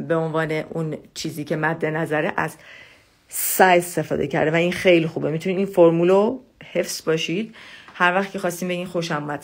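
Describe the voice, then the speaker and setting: A woman teaching French in a live online lesson, repeating phrases slowly for students and explaining in quick asides. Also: on the low side. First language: Persian.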